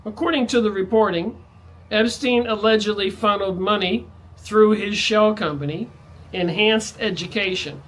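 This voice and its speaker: A man's voice: high-pitched, normal speed, fairly bright tone, rough recording. A man vlogging in a ranting monologue, his voice jumping up sharply on stressed words. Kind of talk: monologue to camera.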